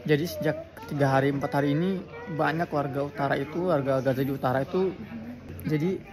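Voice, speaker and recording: A man's voice: fairly high pitch, fairly even intonation, a little fast, rough recording. A tired man from Indonesia chatting earnestly in a casual vlog, reporting from a border crossing. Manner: chatty and earnest, with soft laughs. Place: outdoors at a crowded border crossing, then a cafe. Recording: crowd noise behind. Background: crowd chatter.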